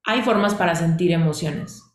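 A woman's voice: lowish voice, moderate pace, echoey room, slight background noise. A woman teaching a coaching class, asking questions and listing points in repeated phrases. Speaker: coaching instructor.

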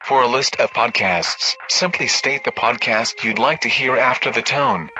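A man's voice: medium pitch, normal speed, sharp tone, low-quality recording. A man voicing an automated phone menu, reading prompts evenly and politely.

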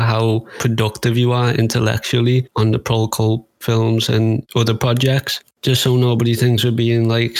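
A man's voice: lowish voice, no echo. A man hosting an interview podcast, casual and enthusiastic, heaping praise on his guest. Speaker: podcast host.

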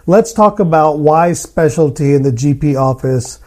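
A man's voice: a little high, normal speed, mellow. A man hosting a podcast conversationally, with a blunt, opinionated way of talking. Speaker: podcast host, general dentist. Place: hotel room.

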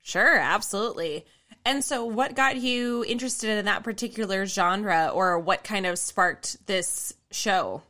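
A woman's voice: medium pitch, measured pace, sharp tone. A woman hosting an interview podcast, chatting casually and laughing often. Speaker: podcast host.

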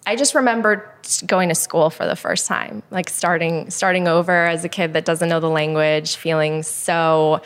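Young woman from Poland, American accent, interview guest, chatty with fillers, lower register. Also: fairly even intonation, moderate pace, few pauses, clear, resonant tone. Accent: American, Chicago-influenced. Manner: talkative, frequent likes and ums. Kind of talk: candid conversational interview.

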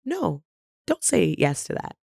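A woman's voice: on the low side, big pitch swings, unhurried, vocal fry, a little mellow, slightly rough, dry recording, studio quality. A woman guest on a podcast, speaking in an earnest, reflective way about her own experiences. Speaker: guest, performer. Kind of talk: casual conversational interview.

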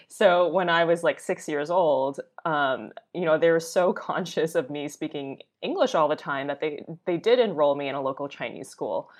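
Podcast guest: American woman, low register, chatty first-person storytelling with acted-out quotes. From Boston, United States. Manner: conversational, often uses "like", acts out quoted remarks. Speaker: podcast guest, travel blogger. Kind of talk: casual personal storytelling in interview.

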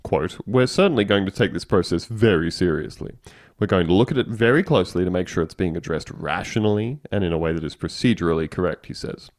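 Low-voiced sarcastic man, lively delivery. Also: fast, no room sound, clean studio sound. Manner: wry, sarcastic, reads quotes aloud with mock voices. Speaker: podcast co-host. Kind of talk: casual comedic chat reading a news article.

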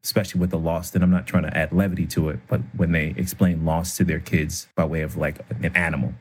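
A man co-hosting a casual conversation with a smooth, radio-like delivery. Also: rumbling low, level tone, fast talker. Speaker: podcast co-host.

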